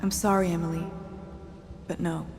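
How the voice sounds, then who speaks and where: A woman playing a kind, orderly caretaker who speaks softly and soothingly in a video game cutscene. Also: fairly low pitch, level tone, moderate pace, in a large hall, a little hiss or hum, close to an everyday voice. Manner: soft, soothing.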